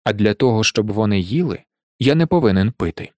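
A man voicing a gaunt, gloomy Parisian gravedigger who speaks low, quiet and self-important, in an audiobook. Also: lively intonation, a little fast, dry recording, clean studio sound, close to an everyday voice. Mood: solemn.

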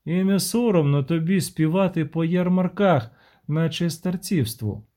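A man's voice: a little high, unhurried, mellow, natural voice. A man voicing a grim, weary witcher who speaks in a dry, level tone.

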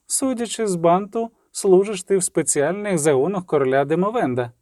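A man reading an audiobook, voicing a cold, proud sorceress with a sharp, accusing manner. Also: high-pitched, brisk, no room sound, studio quality, voice pushed up, close to an everyday voice. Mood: questioning.

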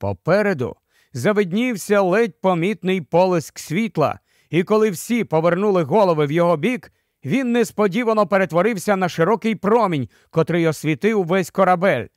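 Male audiobook narrator, high voice, dry close sound. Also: no room sound. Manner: measured, expressive reading. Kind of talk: scripted storybook narration.

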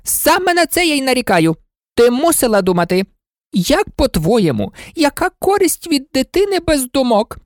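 A woman voicing the Red Queen, an imperious and impatient queen who scolds and commands, in a storybook reading with a high, loud voice. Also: big pitch swings, moderate pace, no room sound, clean studio sound. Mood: lecturing. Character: bossy, imperious older queen.

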